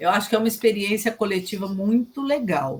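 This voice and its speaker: In a São Paulo accent, a woman talks at a fairly slow pace and a medium pitch. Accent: Paulistano Brazilian Portuguese. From Brazil, São Paulo. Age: 60s. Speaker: communication and education researcher. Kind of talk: radio interview.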